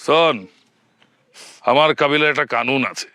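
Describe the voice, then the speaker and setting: A man's voice: a little high, steady tone, moderate pace, sharp tone, smooth, no echo, clean studio sound. A man playing a stern tribal chief in a comedy skit, barking orders and laying down his clan's law in a mixed dialect. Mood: commanding. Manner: commanding, barks orders, speaks in a mixed dialect.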